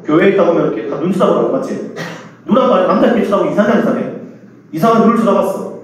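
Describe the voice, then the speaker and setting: A man's voice: sits high, lively intonation, rapid-fire. A middle-aged male pastor preaching to a youth retreat, telling a story animatedly and mimicking the voices of others. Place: large church hall. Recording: echoey hall from far off.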